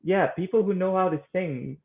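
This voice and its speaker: A man's voice: sits high, gravelly. Young Romanian man on phone-like audio. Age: 20s. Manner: halting, repeats words mid-sentence. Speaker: guest, vocal coach and singer-songwriter. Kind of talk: conversational interview answers. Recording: thin phone-like line.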